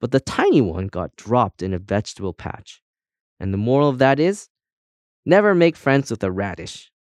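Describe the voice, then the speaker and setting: A man's voice: medium pitch, big pitch swings, normal speed, no echo, lightly acted. A man voicing a chatty, cheerful female compass in a children's audiobook, with breezy, boastful colloquial talk. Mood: proud.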